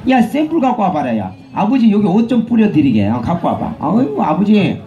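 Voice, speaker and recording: Male street hawker, high and lively, dark tone, rowdy teasing banter. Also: brisk, muffled recording. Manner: bantering, teasing, shouted cues. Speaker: street performer and vendor. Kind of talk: rowdy comic banter with a crowd. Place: outdoor festival stage.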